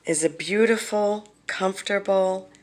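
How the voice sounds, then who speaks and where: A woman leading a guided visualization, speaking gently and deliberately with long pauses and some softly breathed phrases. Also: mid-range voice. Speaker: guided meditation leader. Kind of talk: guided visualization, soothing meditation narration.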